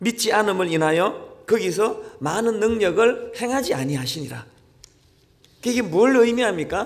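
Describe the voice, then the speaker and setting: Audible room echo surrounds a man speaking at a moderate pace. His pitch varies in an ordinary way. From South Korea, Daegu (Gyeongsang). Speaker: pastor. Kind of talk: sermon.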